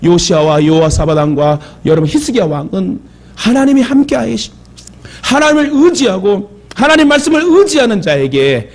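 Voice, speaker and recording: In a church sanctuary, a pastor with a Jeolla Korean accent preaches at a moderate pace, his high voice swinging widely in pitch. He's from the Jeolla region and peppers the sermon with jokes and calls for amens.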